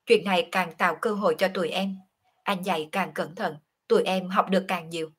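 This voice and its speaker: A woman voicing a calm young woman who confides in her lover, in an audiobook reading. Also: lowish voice, a little fast, husky. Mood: confiding.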